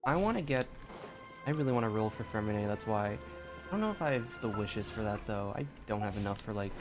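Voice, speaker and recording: A man's voice: lowish voice, expressive, fairly quick. A man giving casual gameplay commentary, rambling as he thinks aloud. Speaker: gamer, streamer. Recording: game music behind.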